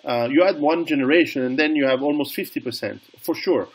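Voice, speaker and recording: A middle-aged man interviewing over a video call, asking halting questions with many restarts. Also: on the high side, husky, poor audio.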